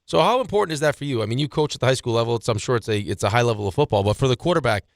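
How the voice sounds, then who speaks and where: A man's voice: mid-range voice, animated, racing, no room sound. A man co-hosting a sports radio show, asking loose, rambling questions in a radio studio. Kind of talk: casual sports radio chat.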